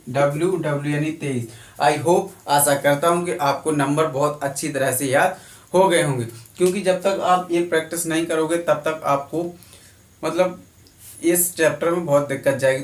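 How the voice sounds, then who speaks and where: A male teacher giving a classroom lecture, drilling students with repetitive question-and-answer. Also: a little high. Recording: echoey room from a distance.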